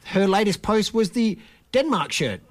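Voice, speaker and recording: A man in casual radio banter, his fairly high voice swooping up and down with lively energy. He teases, laughs easily and keeps the chat moving at a studio microphone. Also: unhurried. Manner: playful teasing banter, laughs often. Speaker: radio co-host.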